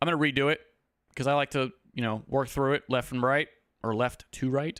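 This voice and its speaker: A man speaks at a fairly quick pace and a fairly high pitch, with fairly even intonation. The recording is very clean with a silent background and a dry, close sound with no echo. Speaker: trading educator. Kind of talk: live stream chart analysis tutorial. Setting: live stream with chat. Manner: fast; casual, filler-heavy.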